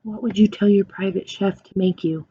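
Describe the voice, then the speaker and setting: A teacher reads aloud to children, explaining things through simple questions and animated, encouraging asides. Her mid-range voice is husky and moves at a normal speed, and the recording's highs are cut off.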